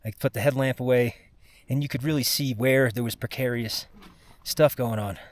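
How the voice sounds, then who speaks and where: A man giving a casual first-person vlog monologue, sounding exhausted, with a weary, halting, rambling way of talking. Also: medium pitch, fairly even intonation. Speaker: mountain climber recording a personal expedition vlog.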